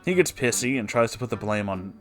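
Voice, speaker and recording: Low-voiced man reading a story over music. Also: expressive, brisk, a bit bright. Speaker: narrator reading online stories. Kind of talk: reading a written story aloud with brief asides.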